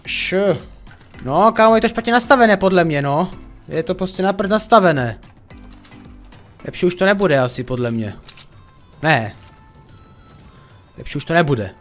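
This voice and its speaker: A man's voice: high voice, animated, long pauses, fairly bright tone, faint music behind. A man giving casual, joking commentary on his own gameplay and talking to viewers as friends. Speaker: gaming YouTuber.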